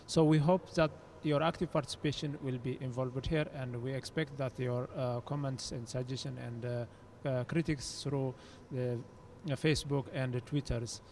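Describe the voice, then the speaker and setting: A man's voice: medium pitch, steady tone, a little mellow, a little hiss or hum. Hesitant man opening a forum. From Eritrea. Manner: halting, many fillers and restarts. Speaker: forum host. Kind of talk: opening a student panel. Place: university forum room.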